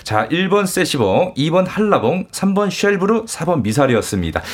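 Guy doing game show host radio patter, super swoopy pitch, reading stuff out playfully with big suspense. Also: very animated, moderate pace. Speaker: radio show host reading listener messages and running a quiz. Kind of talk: lively radio show banter.

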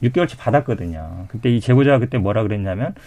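A man's voice: fairly low pitch, animated, fast, darkish tone, no room sound. A man who is a party spokesman, giving a defensive, conversational rebuttal in a political talk show debate.

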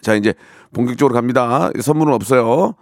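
A man hosting a live radio call-in show, with brisk, teasing, upbeat patter. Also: mid-range voice, a little mellow, no room sound, clean studio sound. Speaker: radio host. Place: radio studio.

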